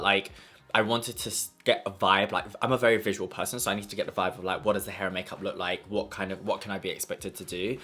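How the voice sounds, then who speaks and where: Bright-voiced chatty young man. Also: lowish voice. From London. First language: Portuguese. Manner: chatty, gossipy, lots of "like". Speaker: makeup artist vlogger. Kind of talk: casual mukbang chat.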